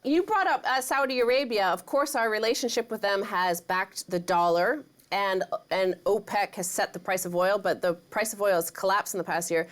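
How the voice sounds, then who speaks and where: A woman's voice: medium pitch, moderate pace, few pauses. A woman hosting an interview, asking long questions with many false starts and restarts. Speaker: host.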